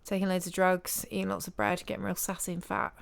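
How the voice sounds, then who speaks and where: A woman's voice: lowish voice, little pitch movement, fast, vocal fry. A young woman with a giggly, blunt, sassy manner, chatting casually as a podcast co-host. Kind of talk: casual chat.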